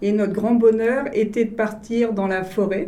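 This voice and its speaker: A woman speaks in a Parisian accent with fairly even intonation. Noticeable background noise and audible room echo fill the recording. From France, Paris. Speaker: health services executive. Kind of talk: interview.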